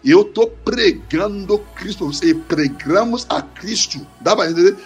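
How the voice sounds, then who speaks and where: A man's voice: a little high, breathy edge. A man, preaching a sermon as a pastor in an impassioned way, repeating his phrases like a chant.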